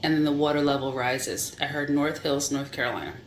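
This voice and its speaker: Christian speaker, spiritual testimony, halting, repeats words, mid pitch, roomy echo, faint hum. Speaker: Christian sharing a vision.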